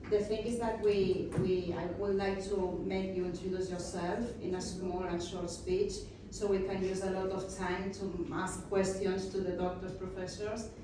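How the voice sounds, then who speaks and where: A woman's voice: medium pitch, background noise. A woman moderating a panel discussion, polite and organizing the speakers. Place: conference hall. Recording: echoey hall from far off.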